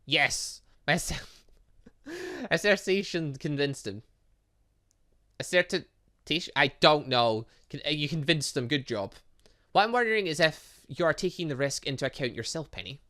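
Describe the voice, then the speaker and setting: Animated, high-pitched man reading game dialogue. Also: moderate pace. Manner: stumbles over words and corrects himself; animated, exclaims and reacts playfully. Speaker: gaming video host. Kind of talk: reading visual novel dialogue aloud with casual asides.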